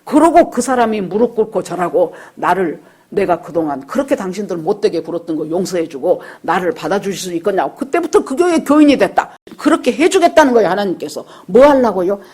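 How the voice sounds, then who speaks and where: A woman pastor delivers a Sunday sermon in a husky, slightly breathy voice. She preaches in a storytelling way and acts out the voices of the people in her stories. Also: medium pitch, animated, fairly quick, hardly any pauses, darkish tone. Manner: storytelling, acting out quoted dialogue. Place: church service.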